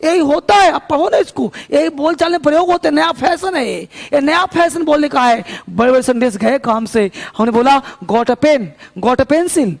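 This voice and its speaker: A man teaching spoken English, drilling short phrases again and again in a slow, emphatic call-and-response lesson. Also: extremely high pitch, animated, vocal fry, in a large hall. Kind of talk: classroom lesson with repetition drills.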